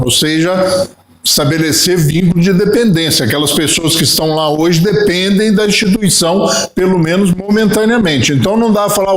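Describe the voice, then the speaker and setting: A man with a Brazilian Portuguese accent delivers a spiritist lecture, telling stories and acting out small dialogues. His voice sits high, and the audio is poor, with a roomy sound.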